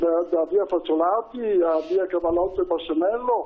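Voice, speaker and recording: This is a man speaking. His intonation is lively. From Padua, Italy. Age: 70s. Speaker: caller. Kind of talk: complaint about roads. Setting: phone call.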